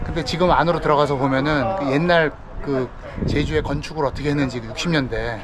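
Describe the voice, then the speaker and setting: Fairly quick and fairly high-pitched, a man talks with ordinary pitch variation over noticeable background noise. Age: middle-aged. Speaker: traveling friend explaining local sights. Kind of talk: casual chat.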